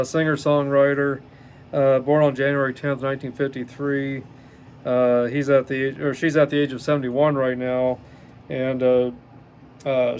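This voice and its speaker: A middle-pitched man in his fifties hosts a casual solo podcast and reads his notes aloud. He hesitates often, fills gaps with ums and uhs, and corrects himself as he goes. A faint hiss of noise sits behind his voice. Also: darkish tone. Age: 50s. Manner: halting, many ums and uhs, self-correcting. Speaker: podcast host.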